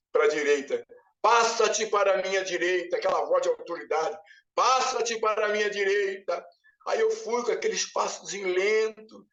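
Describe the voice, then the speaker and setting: A man, a pastor, giving an emotional testimony in church, weeping and pleading as he retells a vision. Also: high-pitched. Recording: echoey room picked up from a distance, muffled.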